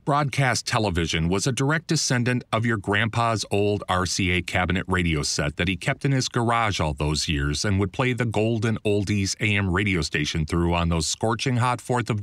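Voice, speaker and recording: A man's voice: on the low side, lively intonation, moderate pace, hardly any pauses, a bit bright, dry recording. A middle-aged American man reading his own audiobook in a wry, conversational, emphatic manner. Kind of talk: scripted first-person audiobook narration. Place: close, dry studio recording.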